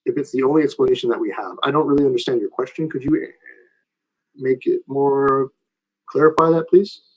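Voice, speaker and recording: Husky-voiced man giving an informal lecture. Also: mid-range voice, steady tone, a little fast, muffled recording. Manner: conversational, explanatory, often checking understanding with tags. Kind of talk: informal live lecture with audience questions.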